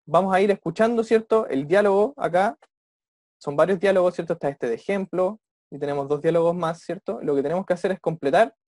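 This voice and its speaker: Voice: mid-range voice, darkish tone, dry recording. Teacher on a video call, patient online lesson, dry close sound, constant check-in tags. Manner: tags nearly every phrase with "cierto?" or "ya?"; slows down to model English phrases. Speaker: English teacher.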